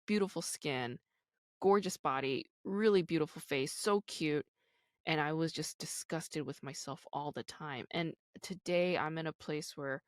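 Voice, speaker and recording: With no room sound and a clean studio finish, this clip features a low-voiced woman in her thirties hosting her own podcast. She talks alone in a casual, candid way, saying "like" and "you know" a lot.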